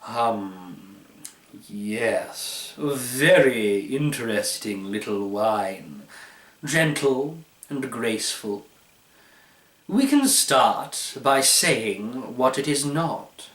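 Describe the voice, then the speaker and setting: Man playing a slow, pompous wine connoisseur, echoey. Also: mid-range voice, very animated, fairly bright tone, full character voice. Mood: smug, deliberate. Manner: deliberate, pompous, savoring each phrase. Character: pompous, fussy male wine connoisseur, smug and imperious. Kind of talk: dramatized short-story reading. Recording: roomy, echoey, distant microphone.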